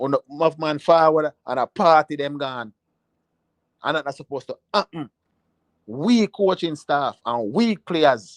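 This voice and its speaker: A man with a Jamaican accent speaks fairly slowly with long, frequent pauses, in a fairly high pitch with lively intonation and an animated tone. The sound is dry and close with no echo. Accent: Jamaican Patois. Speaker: football commentator. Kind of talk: live reaction rant.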